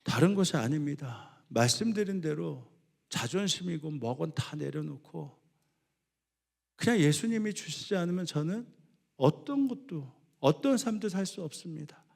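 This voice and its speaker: Man, pastor, sermon, high-pitched, gravelly, swings from loud cries to hushed tones. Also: lively intonation, moderate pace. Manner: rising to impassioned shouts when voicing biblical cries, then dropping low and soft.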